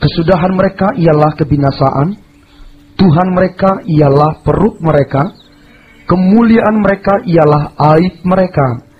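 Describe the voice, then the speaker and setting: A man reading a Bible passage aloud in a loud, measured way. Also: high-pitched, a little hiss or hum. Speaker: scripture reader. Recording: dull distant sound with music.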